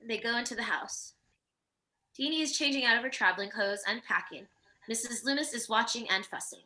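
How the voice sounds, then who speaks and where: A woman's voice: on the high side, fairly quick, pushed and bright. A woman reading screen directions as scripted narration in a virtual table read. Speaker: stage directions reader.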